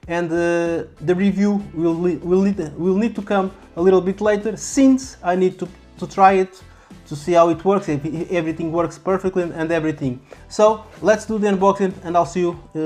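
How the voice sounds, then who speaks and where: Casting: casual product-unboxing vlogger, halting and repetitive phrasing, music underneath. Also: medium pitch, darkish tone. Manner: halting, repeats words. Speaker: YouTube vlogger. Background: background music.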